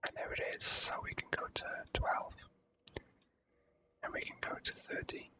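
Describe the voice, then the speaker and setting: A person whispering slow, gentle ASMR commentary while playing a video game. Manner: hushed, gentle, slow and unhurried. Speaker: video game player and host.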